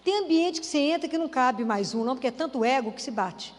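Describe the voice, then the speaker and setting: Woman preacher, high voice, conversational sermon with acted dialogue, long hall reverb. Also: expressive, fast talker. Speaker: Catholic speaker.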